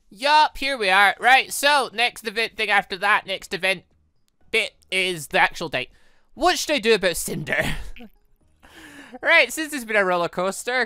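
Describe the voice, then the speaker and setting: A man's voice: high voice, no room sound, clean studio sound. A man giving casual let's play commentary as a gaming host, rambling and often interrupting himself as he reacts. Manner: rambling, animated, self-interrupting.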